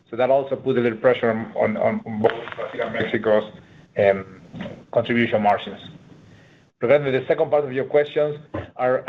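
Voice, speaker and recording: A man speaking as a company executive, giving measured explanatory answers to analysts on an earnings call. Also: mid-range voice. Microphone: conference call line. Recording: dull band-limited conference line.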